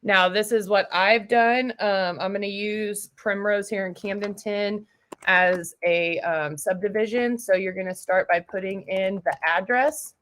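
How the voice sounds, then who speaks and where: A woman trainer explaining software steps in an informal, explanatory way, as in a casual tutorial for agents. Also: medium pitch, fairly even intonation, measured pace. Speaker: trainer for real estate agents.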